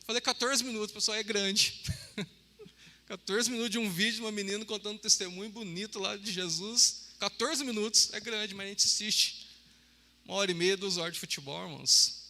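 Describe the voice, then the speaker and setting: A man's voice: high voice, bright, forceful tone. A man from Brazil preaching a sermon, chatty and joking, often checking in with his listeners. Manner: chatty, joking, with frequent "amém?" and "né?". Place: church hall. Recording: church hall reverb.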